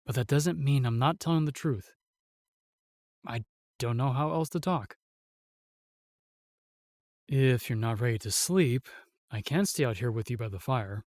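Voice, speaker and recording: A gallant, protective knight played by a man for a fantasy audio roleplay. He speaks formally and courteously in a middle-pitched voice. The sound is dry and close, the manner earnest and reserved. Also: unhurried, pauses often, darkish tone, dry recording, lightly acted. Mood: gentle, courteous.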